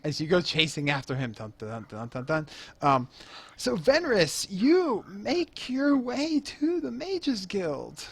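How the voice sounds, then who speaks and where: Brief: man running a tabletop game, meandering narration, somewhat high voice. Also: sing-song, slow, gravelly, slightly rough. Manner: rambling, full of "um" and "like". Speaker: game master.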